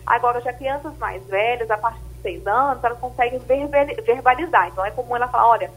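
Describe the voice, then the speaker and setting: A woman doctor on a radio health show, explaining symptoms in a measured way, often starting with "então". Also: on the high side, breathy edge, low-quality recording. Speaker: doctor guest.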